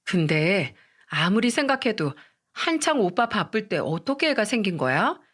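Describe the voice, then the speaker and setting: A woman's voice: mid-range voice, sing-song, moderate pace, a bit bright. Spiteful young sister-in-law, mocking tone, voiced by the woman narrator. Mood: sneering. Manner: mocking, accusing.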